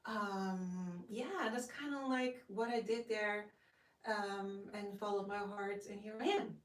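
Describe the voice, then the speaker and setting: A woman's voice: medium pitch, steady tone, slow pace. A young Dutch woman with a Dutch accent, a guest actress talking with gushing enthusiasm and lots of fillers. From Netherlands. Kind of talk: casual interview. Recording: roomy, distant from the mic.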